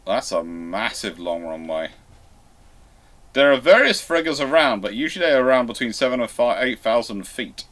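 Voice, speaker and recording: A man hosting a live question and answer stream in a casual way, halting as he thinks aloud. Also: medium pitch, big pitch swings, fairly bright tone.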